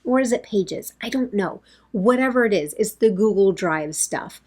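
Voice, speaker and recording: A woman in her thirties, slightly hoarse, chatting casually to camera in a rambling way from her home makeup room. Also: medium pitch, lively intonation, normal speed, darkish tone. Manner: rambling, talks with her hands. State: a bit hoarse, losing her voice. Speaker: beauty vlogger.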